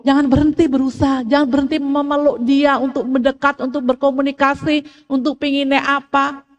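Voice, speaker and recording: Woman preacher, middle-aged, high voice, animated storytelling, long reverb of a church hall. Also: a little fast. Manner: animated storytelling, acts out family dialogue. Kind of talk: sermon.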